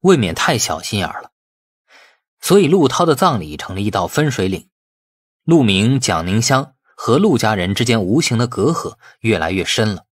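A man's voice: lowish voice, big pitch swings, normal speed, husky, no echo, studio quality. A man narrating a novel as a dramatic scripted audiobook.

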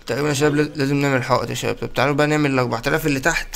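A young man with an Egyptian Arabic accent giving excitable, chatty let's-play commentary and talking straight to his viewers. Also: medium pitch, racing, creaky. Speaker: gaming YouTuber.

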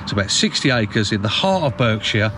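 A man's voice: lowish voice, big pitch swings, brisk. Man, casual to-camera talk, outdoors, arm's-length camera mic, chatty explaining, noticeable background noise. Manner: chatty, explaining step by step with frequent restarts. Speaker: fishing vlogger. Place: outdoors at a lakeside car park by a van. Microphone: handheld action camera at arm's length.

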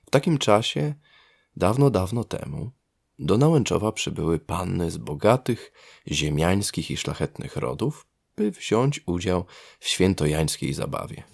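A man narrating a scripted fairy tale as a storyteller, in a lyrical, expressive manner. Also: sits low, measured pace, creaky.

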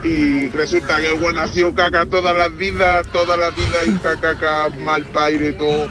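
A man's voice: on the high side, level tone, normal speed. A man's voice with a Chilean accent, electronically disguised, telling gossip casually as a radio caller. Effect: disguised, distorted voice. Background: music bed.

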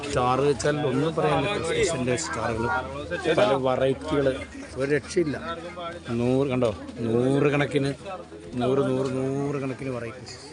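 Male vlogger, Kerala accent, mid pitch. Enthusiastic, repetitive, casual commentary in Malayalam-English mix, over loud market crowd. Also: steady tone, normal speed. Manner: mixes English words into Malayalam. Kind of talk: casual walking vlog commentary. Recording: busy outdoor market crowd noise.

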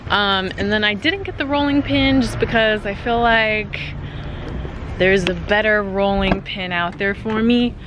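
A woman's voice: mid-range voice, unhurried, lo-fi sound. A woman in her thirties chatting casually to a handheld camera in stores and her car, upbeat and giggly, full of "like". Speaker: vlogger. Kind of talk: casual vlog chat. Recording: noisy store and car ambience.

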